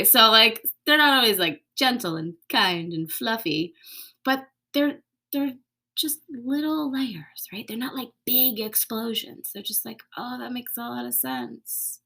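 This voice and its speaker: A woman podcast host talking candidly in a casual, reflective monologue, sometimes dropping to a soft whisper and swearing casually. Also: a little high, animated, a little slow.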